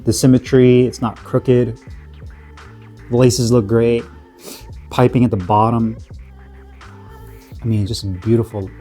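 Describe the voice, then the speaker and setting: A man with a cold, sniffling a bit, reviewing gear in a relaxed, rambling way full of fillers and restarts. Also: lowish voice. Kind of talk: casual product review.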